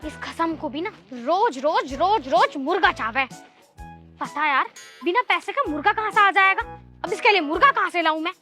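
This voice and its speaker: Very high bright woman, a woman playing a sly mocking village wife, comedy skit, soft music behind. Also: expressive, normal speed, exaggerated voice. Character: scheming, sharp-tongued village wife.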